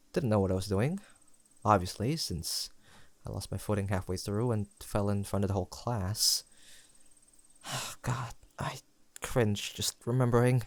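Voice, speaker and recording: A man's voice: on the low side, no echo. A young man playing a tender, teasing best friend turned lover in an intimate romantic audio roleplay, speaking in a hesitant, conversational way. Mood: sheepish, embarrassed. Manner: conversational, hesitant, halting delivery with sighs and soft chuckles.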